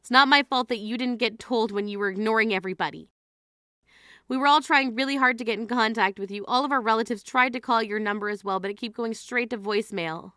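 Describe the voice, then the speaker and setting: A woman's voice: on the high side, quick pace, sharp tone, no room sound, studio quality. A young woman playing an exasperated, grieving sister who scolds her sibling in a scripted drama. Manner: scolding, indignant.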